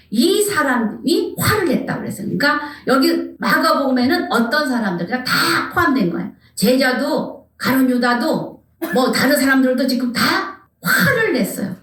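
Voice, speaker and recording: Animated woman pastor preaching in an echoey church. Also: high voice. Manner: animated, asks the congregation rhetorical questions, drops to whispers. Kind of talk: sermon. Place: church sanctuary. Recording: echoey church hall, mic at a distance.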